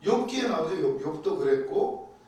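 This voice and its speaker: A man teaching a Bible class in a conversational church style, chatty and animated, often acting out quoted prayers. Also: a little high, moderate pace. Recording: very echoey room, voice from a distance.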